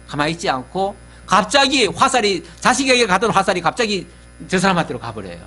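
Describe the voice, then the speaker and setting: A man's voice: high voice, sharp tone, breathy edge. A male pastor giving a conversational sermon, often asking his listeners questions.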